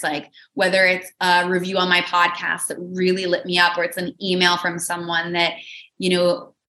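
Bright-voiced woman podcaster in a roomy space. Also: mid-range voice. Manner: earnest, encouraging. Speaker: podcast host. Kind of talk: personal spiritual coaching podcast talk.

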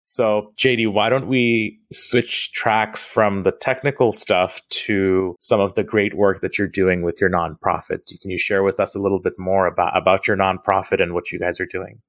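A man's voice: low voice, little pitch movement, moderate pace, few pauses, a bit bright, dry recording, clean studio sound. A man from Bangladesh hosting a podcast interview in a conversational style. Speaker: podcast host.

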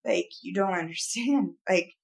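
A woman's voice: fairly low pitch, a little slow, creaky. A woman in her thirties talking through a personal worry in casual podcast chat, earnest and rambling, with many fillers and restarts. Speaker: podcast co-host. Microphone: studio podcast mic.

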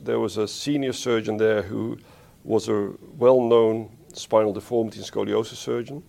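A man from the Netherlands, a spine surgeon being interviewed, who talks in a thoughtful, unhurried way and corrects himself as he goes. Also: on the low side, vocal fry, darkish tone. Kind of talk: conversational interview.

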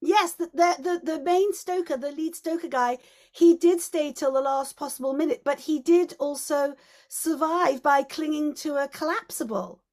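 A woman's voice: sits high, normal speed, a little mellow. A woman co-hosting a podcast, asking long, eager questions like a fan. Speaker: podcast co-host. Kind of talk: enthusiastic interview questions.

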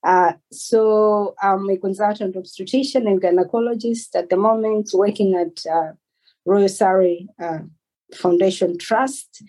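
A Malawian woman in her forties, a doctor answering interview questions in a measured, earnest way. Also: medium pitch, steady tone, warm tone, poor audio. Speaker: guest, consultant doctor.

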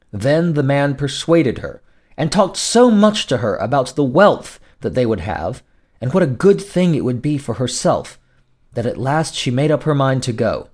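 A man narrating as a storyteller in a gothic, theatrical fairy-tale style, with dramatic, deliberate phrasing. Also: medium pitch, a little mellow. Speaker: storyteller, host.

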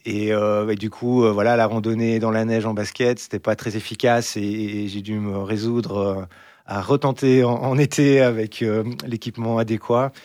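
Hesitant low-voiced man, flat delivery. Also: normal speed, no echo, clean studio sound. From Belgium. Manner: hesitant, many "euh" fillers and restarts. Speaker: mountain photographer, interview guest. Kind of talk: relaxed podcast interview.

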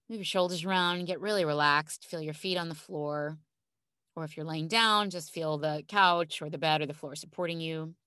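Female coach for a calm grounding exercise: lowish voice, gentle and soothing, recorded dry in a recording space. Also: smooth, no room sound. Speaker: coach leading a guided calming exercise.

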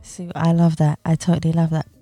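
Low, mellow-voiced woman hosting podcast. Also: monotone, brisk, faint music behind. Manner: enthusiastic, effusive praise. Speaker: podcast host. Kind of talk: interview hosting.

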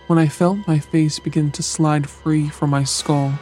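A man reading a first-person horror story aloud in a measured, dramatic storytelling manner. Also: fairly high pitch, little pitch movement, warm tone. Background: faint background music.

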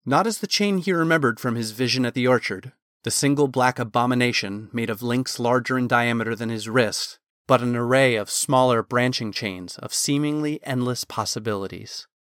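Guy reading a fantasy book out loud, calm even pace, mid-pitched, dry close sound. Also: normal speed, dry recording. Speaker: narrator. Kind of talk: scripted fantasy narration.

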